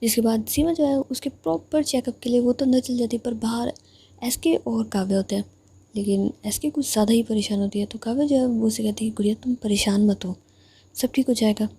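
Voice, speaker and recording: A woman's voice: fairly high pitch, a little fast, mellow, breathy edge. A woman narrating a romance story in a chatty, casual way.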